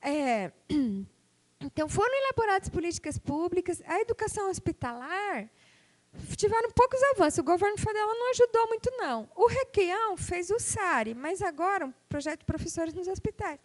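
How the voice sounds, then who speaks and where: Lively high-voiced woman lecturing. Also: normal speed. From Brazil. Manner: conversational, rhetorical questions, tag questions. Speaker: university professor giving a conference talk. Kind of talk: academic conference lecture.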